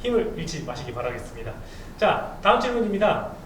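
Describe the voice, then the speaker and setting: Lively high-voiced male host. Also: fast. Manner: upbeat, reads listener questions aloud. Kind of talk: hosting a talk concert. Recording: echoey event hall, distant mic, noisy.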